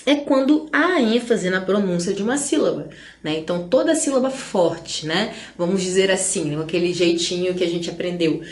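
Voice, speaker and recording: A Brazilian woman teacher giving an online grammar lesson in a chatty way, often tagging lines with "né?" and slowing down to stress syllables. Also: fairly low pitch, animated, darkish tone. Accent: Brazilian Portuguese. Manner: chatty, frequent "né?" and "gente" asides. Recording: roomy echo.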